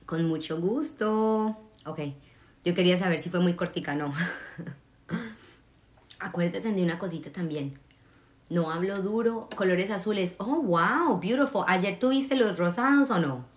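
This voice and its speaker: A woman's voice: on the low side, a little slow. Encouraging woman meditation guide, roomy echo. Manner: encouraging, reassuring. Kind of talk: guided meditation and live chat with viewers.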